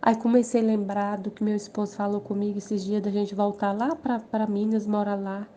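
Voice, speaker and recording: A woman's voice: mid-range voice, flat delivery, moderate pace, mellow, lo-fi sound, a little hiss or hum. A Brazilian woman giving an emotional personal testimony, exclaiming and repeating herself as she talks. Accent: Brazilian Portuguese. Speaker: group member sharing testimony.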